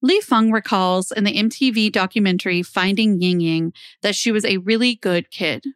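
A woman's voice: medium pitch, moderate pace, smooth, no room sound. A young woman hosting a true crime podcast, reading scripted narration into a close microphone. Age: young adult. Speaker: podcast host.

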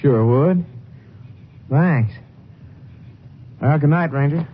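A man's voice: a little high, extremely slow. An American man playing a defensive, touchy young former deputy in a 1950s radio western. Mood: sheepish, grateful. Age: young adult. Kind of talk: 1950s old-time radio western acting. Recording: dull, hissy 1950s radio recording.

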